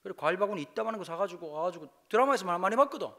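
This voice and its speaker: High, lively Busan-accented man preaching. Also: racing. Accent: Gyeongsang (Busan). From Busan, South Korea. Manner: lively, jokey, acts out dialogue in dialect. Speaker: guest pastor preaching a revival service. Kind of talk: humorous storytelling sermon. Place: church sanctuary.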